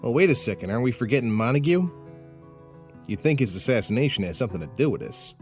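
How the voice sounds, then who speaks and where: A man's voice: mid-range voice, lively intonation, fast talker, faint music behind, close to an everyday voice. An actor playing an easygoing male police sergeant in an audio drama, speaking conversationally. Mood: attentive.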